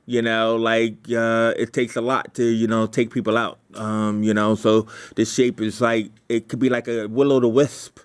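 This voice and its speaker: A man's voice: medium pitch, flat delivery, clear, resonant tone. Rambling male showrunner thinking aloud. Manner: halting, repetitive, thinking aloud. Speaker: showrunner leading a writers' meeting. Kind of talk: casual rambling brainstorming talk.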